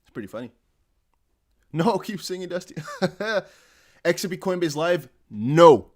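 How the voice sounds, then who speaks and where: Young man, from the Netherlands, casual livestream chat, rambling, slightly high voice. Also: expressive, a little slow. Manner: rambling, laughs often, many fillers. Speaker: crypto livestream host. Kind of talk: casual live stream chat.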